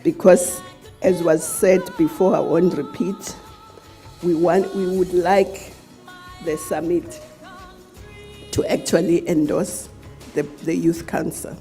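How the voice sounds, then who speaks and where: A woman official giving a formal speech in a measured, deliberate way. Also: on the low side, steady tone, mellow, faint music behind. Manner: measured, deliberate, with small restarts. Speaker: official speaker.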